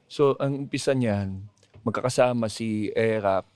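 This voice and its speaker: A man's voice: fairly low pitch, unhurried, darkish tone, smooth, no room sound. Comedian guy rambling thru a joke, dry mic, voices all the quotes. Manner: rambling storytelling with acted-out quotes and laughter. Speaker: guest comedian. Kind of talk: telling a long joke on a podcast.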